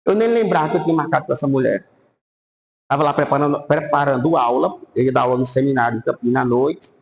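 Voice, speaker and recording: A male priest, telling a story with animated ups and downs during a Bible course lecture. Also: medium pitch, fast talker, gravelly, poor audio. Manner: animated anecdotes, voice rising and falling.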